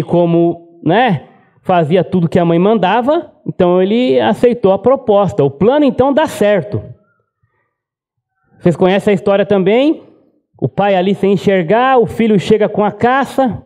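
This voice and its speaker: High-voiced male pastor, mellow tone. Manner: conversational storytelling, frequent tag questions. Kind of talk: sermon.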